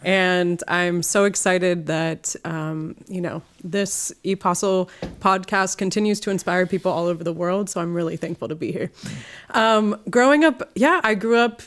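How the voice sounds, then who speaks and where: A woman from Los Angeles, a community organizer, speaking as an interview guest in a studio, warm and engaged, often checking in with "right?". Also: fairly low pitch, moderate pace. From Los Angeles, United States. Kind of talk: conversational interview.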